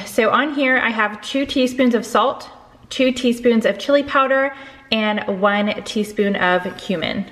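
A woman's voice: mid-range voice, fairly bright tone. A woman in her thirties hosting a cooking vlog in her home kitchen, chatty and upbeat as she talks viewers through each step. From United States. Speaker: cooking channel host. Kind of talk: casual cook-along vlog. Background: dishwasher running in the background.

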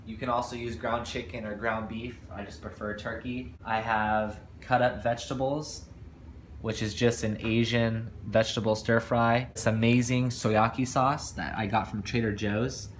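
A man's voice: mid-range voice, moderate pace. A young man in his twenties talking casually through a home cooking vlog, explaining each step as he goes. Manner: relaxed, explains steps as he goes. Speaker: vlogger. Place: kitchen at home, indoors. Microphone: camera on table. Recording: echoey room with background noise.

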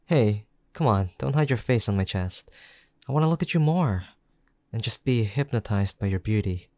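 A man playing a caring, gently teasing young boyfriend in an intimate, affectionate roleplay, speaking softly and unhurriedly. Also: lowish voice, expressive, moderate pace, no room sound, studio quality. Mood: tender reassurance. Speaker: voice actor in boyfriend roleplay audio.

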